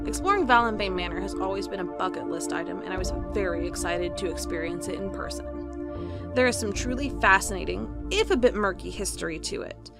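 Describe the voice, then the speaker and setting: A woman's voice: medium pitch, gravelly, lightly acted. A woman playing a wry young office worker in an audio drama, talking casually and reading aloud in a conversational way.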